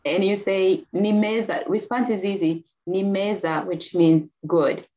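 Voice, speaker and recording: A middle-aged woman with a Rwandan accent, a guest telling her life story quickly and earnestly, with soft laughs. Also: medium pitch, fairly even intonation, dull audio. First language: Kinyarwanda. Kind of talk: personal testimony interview.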